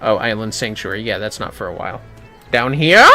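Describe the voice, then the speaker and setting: A man's voice: on the low side, expressive, brisk, bright, forceful tone, soft background music. A man chatting casually and bluntly, with swearing, while he plays a game on a livestream. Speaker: livestream gamer. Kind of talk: casual chat while playing an online game.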